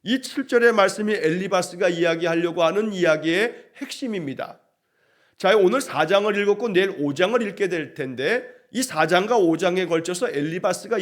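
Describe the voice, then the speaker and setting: A man preaching an early-morning sermon in a fairly high voice. He retells the scripture as blunt, chiding speech aimed straight at the listener. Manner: paraphrases scripture in a scolding direct voice. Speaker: pastor.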